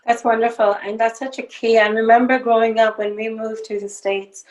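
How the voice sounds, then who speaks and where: A woman podcast host who leads a calm guided meditation and then asks interview questions. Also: fairly high pitch, muffled recording. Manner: soothing, slow guided breathing.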